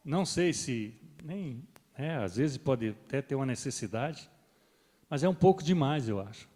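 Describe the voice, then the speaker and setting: A middle-aged man preaching a sermon as pastor, swelling loud on key points and then dropping soft. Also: mid-range voice, expressive, moderate pace. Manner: rises and swells with emphasis, then drops soft. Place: church hall. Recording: long reverb of a church hall.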